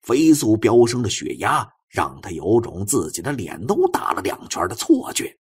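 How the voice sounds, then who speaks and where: Husky, dramatic male storyteller with swooping pitch. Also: wildly swooping pitch, moderate pace. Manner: theatrical, suspenseful storytelling with swings from hushed to forceful. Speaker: audiobook narrator. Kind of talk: dramatic suspense audiobook narration.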